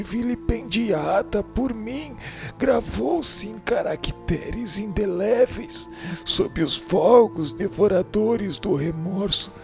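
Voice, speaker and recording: Radio drama role: remorse-wracked damned son, played by a man, slow, anguished begging in a high register, over music. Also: gravelly, a little mellow, heavily acted. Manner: anguished, pleading, melodramatic. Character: remorse-crazed condemned sinner, a son begging his mother's forgiveness. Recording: music behind the voice.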